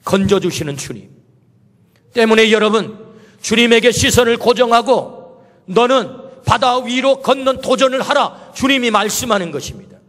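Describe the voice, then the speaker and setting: A man's voice: very high voice, lively intonation, moderate pace, a bit bright. A male pastor preaching a sermon, asking many rhetorical questions and quoting Jesus in a personal, spoken manner. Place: church sanctuary. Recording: reverberant church hall.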